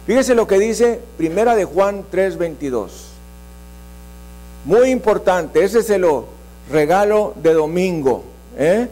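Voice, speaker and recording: Mexican pastor preaching, high and mellow. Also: male voice, animated, slow pace. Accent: Mexican Spanish. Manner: preaching, repeats key verse, addresses congregation directly. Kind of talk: sermon.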